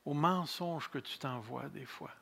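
Slow-preaching Québécois pastor in his sixties. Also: fairly high pitch, creaky, pushed and bright, husky. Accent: Québécois French. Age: 60s. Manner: slow, deliberate preaching with repeated phrases and self-mocking humor. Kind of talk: sermon.

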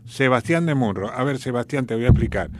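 A man's voice: mid-range voice, lively intonation, brisk, a little hiss or hum. A man with an Argentine accent hosting a radio show, rambling in a chatty, folksy storytelling way. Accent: Argentine Spanish. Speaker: radio host. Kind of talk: casual radio chat.

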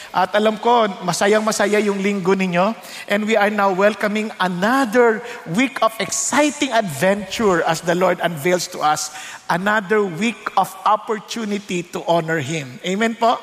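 A man preaching a bilingual sermon as pastor, animated and engaging the congregation with a story. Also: high-pitched. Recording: long church-hall reverb.

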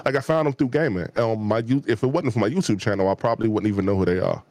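A man in his forties from the Washington, D.C. area, speaking with a D.C. accent as a gaming YouTuber guest in a relaxed, rambling interview full of fillers and restarts. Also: fairly low pitch, rapid-fire, dry recording, clean studio sound. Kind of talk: casual interview talk.

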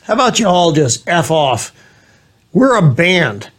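A man's voice: on the high side, big pitch swings, measured pace, fairly bright tone. A man with a New England accent, co-hosting a casual chat and cracking sarcastic jokes. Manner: sarcastic, jokey, puts on voices. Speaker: co-host. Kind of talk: casual chat over drinks.

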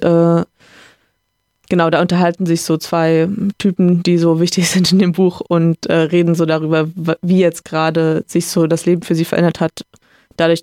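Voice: mid-range voice, a little mellow, no echo, clean studio sound. A podcast host casually introducing a book passage, talking hesitantly with fillers and small laughs. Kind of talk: casual literary chat and reading.

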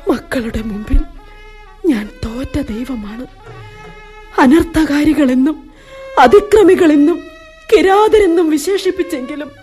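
A grieving queen mother, proud and anguished, pleading and declaiming with great intensity. Her voice sits high yet sounds dark and mellow, and faint music plays behind it in this radio play. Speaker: radio drama actor. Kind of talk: classic radio drama acting.

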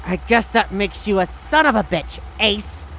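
A woman's voice: medium pitch, lively intonation, measured pace, fairly bright tone, slight background noise, rough recording. A woman playing a defiant, wisecracking teenage boy thief in a roleplayed audio drama. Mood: insolent. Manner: wisecracking, insolent, slangy.

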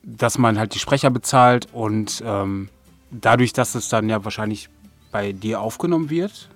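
A man in casual conversation as an interview guest, explaining things in a halting, hesitant way. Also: on the low side, soft background music. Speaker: interview guest, audio drama maker. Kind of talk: casual chat.

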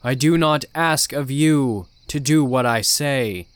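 A man voicing a charismatic male cult prophet in his forties, preaching slowly with an authoritative yet kind tone. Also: medium pitch, clear, resonant tone, dry recording, lightly acted. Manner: slow, authoritative sermon-like delivery.

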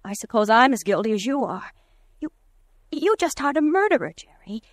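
A woman's voice: fairly high pitch, big pitch swings, brisk, no room sound, studio quality. An actress playing a cool, practical female accomplice in an old radio crime drama, firm and unsentimental. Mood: resigned, firm. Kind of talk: 1940s radio drama acting.

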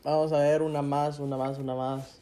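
A man's voice: a little high, flat delivery, a little fast, mellow. A man interviewing a guest in a casual chat, with frequent laughter and short reactions.

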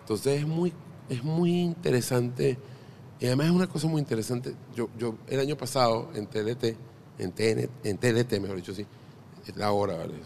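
Gravelly Venezuelan man telling stories. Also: medium pitch, brisk, a little mellow, slight background noise. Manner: anecdotal, joking, with frequent restarts. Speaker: podcast guest. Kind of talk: casual interview chat.

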